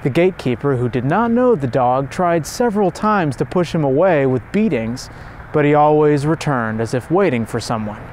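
A male storyteller reads a devotional tale in an earnest, measured manner. His voice sits a touch higher than most men's, with a faint noise floor underneath. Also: expressive, a little mellow. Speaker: narrator and channel host.

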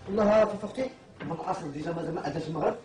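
A man with an Algerian Arabic accent bickers excitedly in a comedy sketch. He talks fast in a fairly high voice, heard from a distance in an echoey room with music behind. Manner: quarrelsome, excitable, protesting. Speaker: comedic actor.

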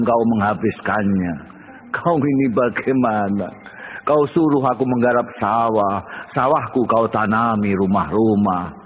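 A man's voice: mid-range voice, slight background noise. A man reciting a protest poem with rhythmic, accusing refrains, from an archival recording. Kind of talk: poetry recitation. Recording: archival recording in a reverberant hall.

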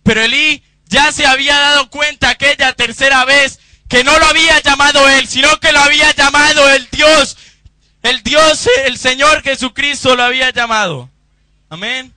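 A man preaching a Pentecostal sermon in church, fervent and rising to shouts during prayer, on a close microphone. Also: extremely high pitch, fairly even intonation, normal speed, dry recording. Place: church service.

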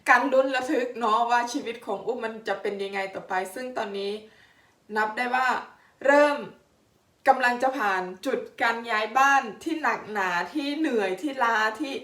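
A woman from Thailand giving a chatty home-tour vlog indoors, talking warmly to her viewers through a camera mic. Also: fairly high pitch, moderate pace. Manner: chatty and warm, addresses viewers as older siblings. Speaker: vlogger. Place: indoors in a house under renovation. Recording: echoey room, distant from mic.

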